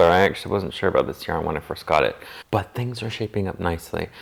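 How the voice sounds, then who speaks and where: A man, mumbling. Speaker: knitting vlogger. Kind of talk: casual vlog talk to camera.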